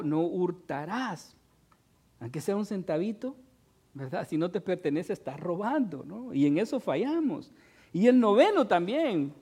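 A man's voice: sits high, a little mellow, husky. A pastor preaching a sermon in a conversational way, asking his congregation short questions and rising in force on key points.

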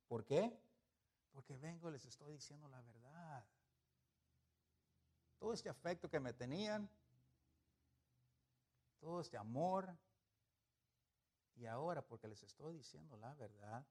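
A man preaching a sermon, animated, swinging between loud emphasis and soft asides, asking the congregation rhetorical questions. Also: fairly high pitch, moderate pace, long pauses, breathy edge.

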